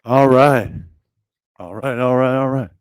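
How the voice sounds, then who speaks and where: A man's voice: mid-range voice, a little slow, clear, resonant tone, dry recording, studio quality. A man hosting his own puppet show, chatting off-script and muttering to himself as he sets up. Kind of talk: casual off-script chat while setting up.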